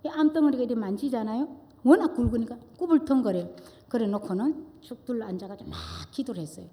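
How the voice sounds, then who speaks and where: A middle-aged woman preaching a testimony sermon, telling her story with big swings from hushed to loud. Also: a little high, fast. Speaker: guest preacher. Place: church sanctuary. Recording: echoey church hall.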